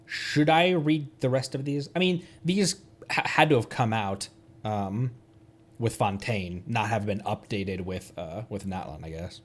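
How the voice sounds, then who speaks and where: A man's voice: fairly low pitch, expressive, measured pace. A man streaming a game with casual chat, thinking aloud in a hesitant way.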